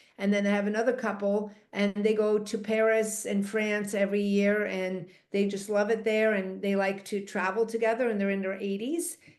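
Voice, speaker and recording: There is audible room echo as a woman talks at a moderate pace in a medium pitch with monotone, flat intonation. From Europe. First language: not English. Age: 60s. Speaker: physical therapist. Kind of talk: interview.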